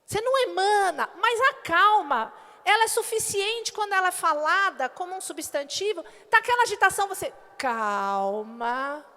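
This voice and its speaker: High-voiced woman pastor preaching in a reverberant hall. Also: fairly quick, few pauses. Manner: animated, acts out little quoted dialogues. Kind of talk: sermon. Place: church hall.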